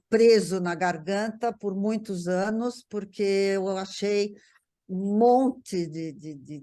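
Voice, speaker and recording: A woman with a Brazilian accent talks casually as a guest, looking back on memories. Her delivery is halting, circling over small words while she gathers the next thought. Her pitch sits in an ordinary range for a woman. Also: mellow. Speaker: interview guest. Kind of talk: casual reminiscing conversation.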